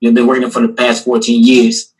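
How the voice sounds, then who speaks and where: A man's voice: medium pitch, monotone, a little fast, slightly rough. A man, an artist and guest curator, talking casually on a video call panel and filling his sentences with "you know". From Newport News, Virginia. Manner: rambling, many "you know" fillers.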